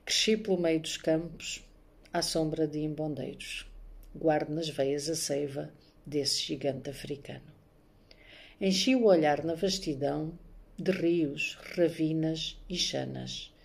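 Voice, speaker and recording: Born and raised in Angola, this middle-aged poet and maths teacher introduces herself and reads her poems in a soft-spoken, measured way. Her deep voice has vocal fry and slight roughness, captured at home by a phone camera at arm's length.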